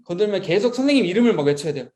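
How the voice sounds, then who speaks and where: A young man, a Sunday school teacher, telling a story to children in a lively, expressive way. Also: high-pitched, very fast.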